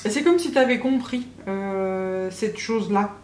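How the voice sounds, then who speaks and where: A woman's voice: medium pitch, measured pace. Hesitant woman doing tarot guidance, echoey room. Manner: hesitant, many fillers and restarts. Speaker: tarot reader giving channeled guidance. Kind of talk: casual spoken guidance to the viewer. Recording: echoey room with faint background hum.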